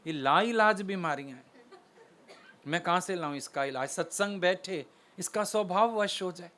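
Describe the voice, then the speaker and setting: A man's voice: high voice, a bit bright. A male spiritual preacher giving a devotional sermon, animatedly acting out household dialogue while telling stories. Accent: Delhi Hindi.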